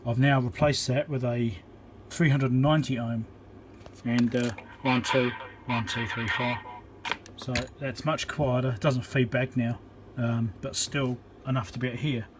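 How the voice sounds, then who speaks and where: An electronics repair presenter talking casually as he works at his home workbench, thinking aloud with frequent ums and pauses. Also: medium pitch, flat delivery, noisy background. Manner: thinks aloud with many ums, counts into the mic.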